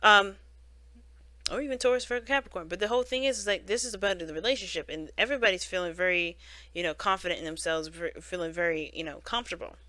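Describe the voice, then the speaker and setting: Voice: medium pitch, quick pace, bright, forceful tone, dry recording. A tarot reader giving a casual spoken reading, rambling along with frequent "you know" and "right?" and many restarts. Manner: self-correcting restarts.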